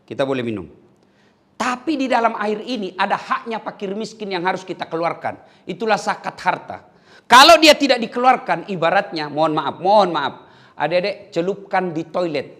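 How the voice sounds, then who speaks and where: A male preacher giving a humorous sermon, telling stories and jumping between high acted voices and low asides. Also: animated, moderate pace, bright, forceful tone.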